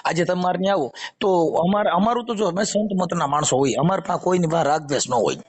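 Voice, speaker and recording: High-pitched, fast-talking Gujarati man. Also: breathy edge. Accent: Gujarati, Saurashtra. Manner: insistent, talkative, explaining at length. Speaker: caller, former folk shaman. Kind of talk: argumentative phone conversation. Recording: recorded phone call.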